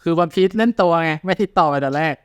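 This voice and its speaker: Co-host guy, chill and agreeable, smooth clear voice, quick talker. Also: sits high, no echo. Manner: easygoing, short agreeing replies. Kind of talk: casual chat.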